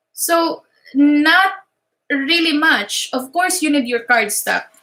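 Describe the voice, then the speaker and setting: With a non-native accent, a woman projects a raised, high-pitched voice at a very slow pace with ordinary pitch variation. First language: not English. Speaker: paper flower crafter and small business owner. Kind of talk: live stream Q&A tutorial. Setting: live stream. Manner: halting with frequent fillers and repetitions.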